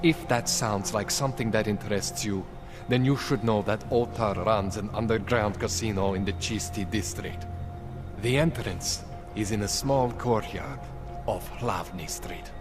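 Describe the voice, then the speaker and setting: A man's voice: fairly low pitch, a little slow, lightly acted. An actor playing an eager, wheedling black-market cyber-tech in a video game, with a hesitant salesman's manner. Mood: coaxing. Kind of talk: video game cutscene acting. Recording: music behind the voice.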